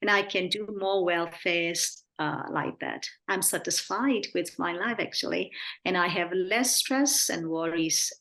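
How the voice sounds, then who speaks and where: A middle-aged Burmese nun with a Burmese accent, answering interview questions in an unhurried, gentle way. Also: female voice, fairly low pitch. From Burma. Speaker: Buddhist nun, interview guest.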